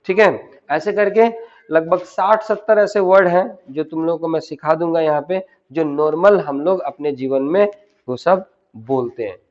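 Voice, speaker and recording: A man with a fairly high voice and a teaches spoken to a class. He drills words slowly and repeats them for practice. The recording sounds dull and lo-fi. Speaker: English teacher. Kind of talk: spoken English lesson in Hindi.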